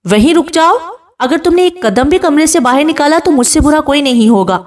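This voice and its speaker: A woman's voice: sits high, lively intonation, distant mic. A woman reading the part of a cruel young husband who barks orders and threatens in rage, heard from a little way off the mic. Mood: enraged. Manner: commanding, threatening.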